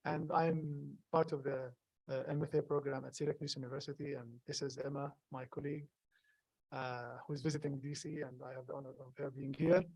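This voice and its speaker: A young man from Gaza whose first language is Arabic, a poet answering questions at a live event, halting and earnest with many restarts. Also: mid-range voice, level tone, creaky, a little mellow, husky, no echo, poor audio. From Gaza, Palestine. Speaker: poet, guest. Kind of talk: live conversation at a public event.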